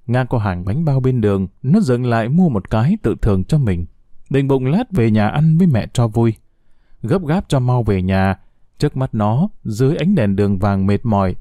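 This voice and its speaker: A man narrating a sad story in a slow, heartfelt, expressive way. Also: medium pitch, no room sound, studio quality.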